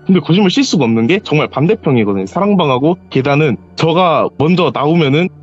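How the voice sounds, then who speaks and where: Over a muffled voice call with soft music behind him, a man with a husky voice tells his own ghost story at a quick pace for a call-in horror show. He's lively and animated, jumping sharply up in pitch whenever he acts out what someone said.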